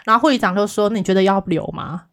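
Lady on a chat podcast, talks fast, acts out what everyone said, mid pitch. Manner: lively storyteller, acts out the other people's replies. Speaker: podcast co-host. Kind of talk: casual chat, telling a work story.

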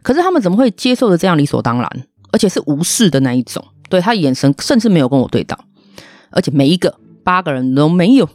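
A woman's voice: fairly low pitch, very animated, fast, a little mellow, dry recording, studio quality. A woman, a podcast host telling a story in a blunt, indignant, ranting way. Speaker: podcast host, restaurant owner. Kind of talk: casual storytelling monologue.

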